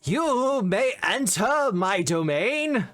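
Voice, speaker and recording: A man voicing a pompous male undead lich lord in a tabletop game, with a grandiose, gloating, drawn-out delivery. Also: sits high, big pitch swings, a bit bright, voice pushed up, full character voice.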